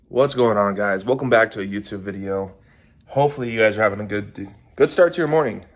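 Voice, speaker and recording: A man's raspy, put-on character voice, fairly low in pitch, at a very fast pace with ordinary pitch variation, on a very clean recording with a silent background. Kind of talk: casual, vlog. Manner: casual, friendly YouTuber greeting.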